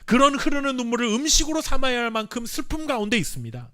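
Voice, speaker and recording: A pastor gives his sermon in a high, animated voice that leaps up and down as he presses each point home. He preaches earnestly, slowing down for scripture and pausing for weight. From South Korea. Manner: earnest, emphatic preaching with dramatic pauses; reads scripture aloud slowly with the congregation.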